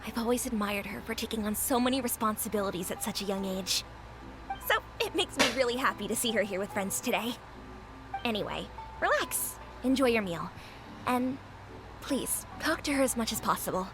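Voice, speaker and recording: Brief: woman playing gossipy friendly shopkeeper in a game, bright high tone. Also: brisk, natural voice. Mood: chatty. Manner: chatty, confiding, gossipy. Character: friendly woman restaurant keeper, chatty and warm-hearted. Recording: game audio with music behind.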